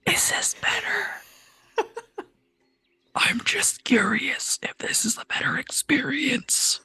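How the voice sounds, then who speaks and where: A player roleplaying their character at a tabletop game, blunt and playfully gruff. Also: sits high, sing-song, slow pace, bright, forceful tone, no echo, in a whisper.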